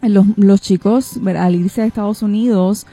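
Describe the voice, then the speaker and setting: Woman radio host, mellow warm tone, chatty, faint music behind. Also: mid-range voice, moderate pace, breathy edge. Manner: chatty, expressive, reflective. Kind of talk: talk radio hosting.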